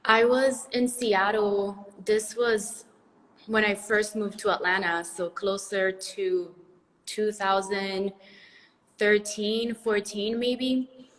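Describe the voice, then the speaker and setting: A woman from Venezuela, talking in a slow, hesitant, thoughtful way in casual conversation. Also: mid-range voice, fairly even intonation, fairly bright tone, big-room sound, rough recording.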